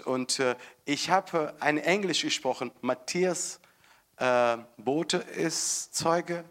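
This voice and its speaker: A man preaching a sermon with fervent emphasis, moving between loud bursts and quiet storytelling, often restarting and repeating words. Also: mid-range voice.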